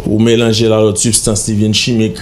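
A middle-aged man with a Haitian accent speaks briskly and in a monotone, his voice on the low side, as a radio studio interview guest. He is insistent and emphatic, lecturing into a stand-mounted studio microphone, and a little hiss or hum is present.

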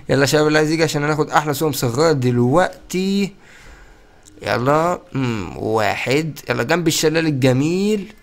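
Man, Egyptian Arabic accent, young adult, gaming commentary, rapid, slightly high voice. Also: gravelly. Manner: playful, chatty, addresses viewers directly. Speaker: gaming YouTuber. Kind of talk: casual gameplay commentary.

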